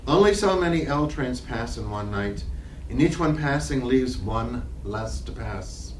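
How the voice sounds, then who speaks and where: A man narrates a play in scripted literary prose. His mid-pitched voice sits away from the microphone in a reverberant room with faint noise. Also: lively intonation, measured pace. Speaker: narrator reading stage directions. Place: library reading room. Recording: distant mic, echoey room, noisy.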